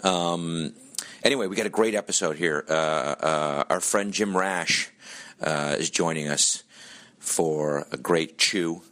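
A man's voice: sits low, slow, bright, forceful tone. A man hosting a podcast in a casual, rambling way with lots of fillers, his voice nearly gone from touring. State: losing his voice. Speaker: podcast host. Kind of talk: casual podcast intro and plugs.

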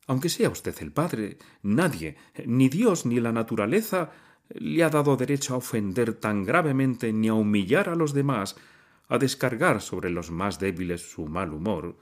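A man's voice: medium pitch, sing-song, measured pace, voice pushed up. A man reading aloud and voicing an angry young male student who confronts his father in heated, impassioned outbursts. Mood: indignant.

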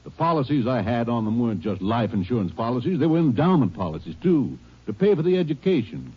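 Old muffled radio western: defensive shopkeeper, husky, argumentative, indignant. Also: male voice, mid-range voice, big pitch swings, fast. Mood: defensive, aggrieved. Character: defensive, belligerent hardware store owner under suspicion. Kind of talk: 1950s radio drama acting.

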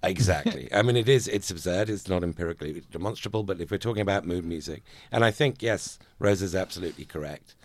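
A man with a very low voice speaks as a panel guest, measured and analytical as he explains his view. He is recorded close and dry, with no room sound behind him. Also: dry recording. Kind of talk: casual panel chat.

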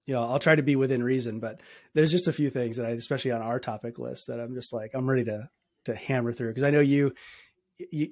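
Halting, energetic male podcast guest. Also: mid-range voice. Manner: halting, many restarts and fillers, energetic. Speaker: podcast guest, company founder. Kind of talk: conversational podcast interview.

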